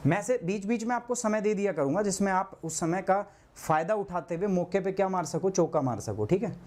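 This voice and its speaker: A hoarse man teaching a live online geography class, asking his students questions and answering them himself, with English terms mixed in. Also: sits high, lively intonation, a little fast, darkish tone. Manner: clears his throat often.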